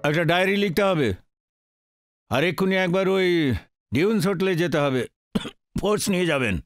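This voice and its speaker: Brisk, commanding police officer, played by a man, dry sound. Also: high-pitched, dry recording, lightly acted. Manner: curt, questioning, commanding. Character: brisk senior police officer taking a report. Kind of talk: Bengali film melodrama acting.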